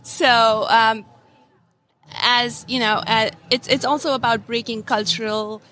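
A woman's voice: fairly high pitch, steady tone, unhurried, pushed and bright, rough recording. A woman from India, in her thirties, chatting in an upbeat, casual way as an interview guest at a convention, with many fillers. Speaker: DIY creator, guest. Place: convention floor.

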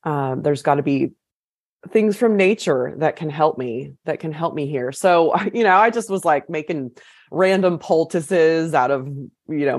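Interview guest: low-pitched woman from California, talkative and loose, dry close recording. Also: dry recording. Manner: chatty, with frequent fillers and restarts. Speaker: chef and author guest. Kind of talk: casual interview conversation.

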